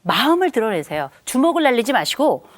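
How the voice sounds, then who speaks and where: A middle-aged woman giving a lively lecture on family life, chatty and animated, slowing down to stress her key sayings. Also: a little high. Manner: animated, acts out quoted speech, chatty asides; slows down for key maxims.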